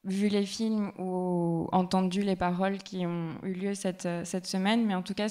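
Flat-voiced hesitant woman moderating. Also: medium pitch. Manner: hesitant, many filler sounds. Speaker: round-table moderator. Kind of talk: panel discussion. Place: public library event room.

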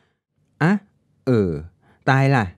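A man voicing a young woman on the phone whose soft, polite tone keeps a wary edge. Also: extremely slow, dry recording, studio quality. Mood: flustered apologetic. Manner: soft voice turning sharp and wary.

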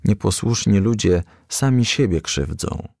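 Narrator, male, low gravelly voice, lively children's-book reading, dry close mic. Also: measured pace, no room sound. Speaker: audiobook reader.

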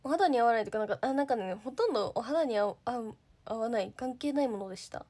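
A woman's voice: fairly high pitch, expressive, quick pace, warm tone. A young woman from Japan, a livestreaming idol, chatting casually and thanking viewers as she reads their comments.

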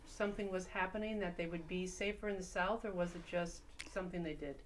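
A woman's voice: on the low side, steady tone, fairly quick, low-quality recording. A woman asking questions as an oral history interviewer. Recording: clear background noise, off-camera voice.

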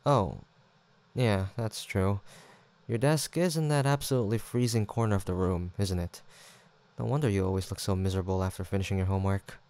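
A man's voice: low voice, a little fast, darkish tone, no echo. A young man acting an easygoing, teasing, affectionate student roommate in an intimate, casual roleplay audio drama, with hesitant banter. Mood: gentle, shyly caring. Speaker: voice actor.

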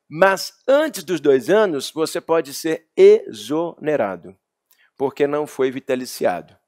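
Lively Brazilian man lecturing a class. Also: fairly high pitch. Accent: Brazilian Portuguese. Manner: lively, storytelling, acts out dialogue. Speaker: law course lecturer. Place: classroom with students.

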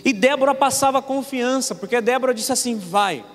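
With a very high voice, fairly even intonation and a slightly fast pace, a Paraná pastor in his twenties preaches over soft background music. In the church sanctuary, amid long reverb and faint ambience, he tells stories and throws rhetorical questions at the congregation.

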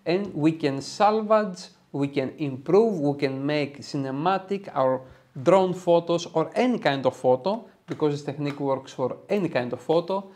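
A man's voice: fairly high pitch, normal speed, a little mellow. A man in his thirties with a Greek accent, giving an enthusiastic step-by-step tutorial to viewers. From Greece. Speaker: photo editing tutorial host. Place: small room, home studio.

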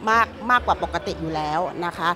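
A woman's voice: lowish voice, a crowd in the background. A middle-aged woman event organizer answering interview questions matter-of-factly, often restarting her words, into press mics in an indoor hall. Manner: fast, matter-of-fact, with repeated restarts. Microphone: several handheld press mics.

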